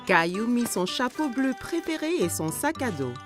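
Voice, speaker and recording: A woman playing the warm narrator of a children's cartoon, telling the story in an expressive storybook style. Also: a little high, normal speed. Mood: storytelling. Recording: music behind.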